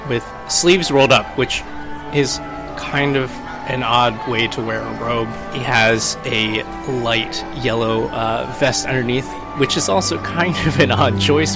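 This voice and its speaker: Male tabletop player, mid-range voice, measured and drily understated, music behind. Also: mid-range voice. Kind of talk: describing his roleplaying character. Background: background music.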